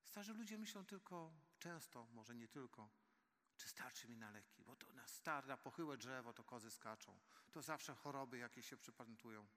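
A man's voice: mid-range voice, expressive, moderate pace, sharp tone. A man preaching a sermon and leading a spoken prayer, earnestly addressing his listeners as dear friends. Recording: long hall reverb.

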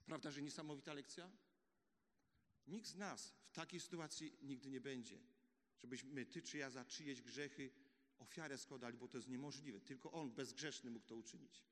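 A man preaching a sermon, telling the story vividly and dropping to a hush for key points. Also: on the high side. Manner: animated storytelling with dramatic drops to a hush. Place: church hall. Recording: echoey church hall.

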